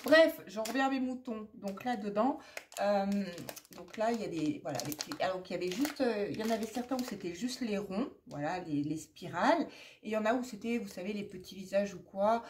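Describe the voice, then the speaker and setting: A woman's voice: mid-range voice, lively intonation, fairly quick, slight background noise. A middle-aged woman from France chatting casually and rambling through a shopping haul, with many fillers and asides, and a persistent cough. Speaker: haul vlogger. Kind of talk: casual haul chat to camera.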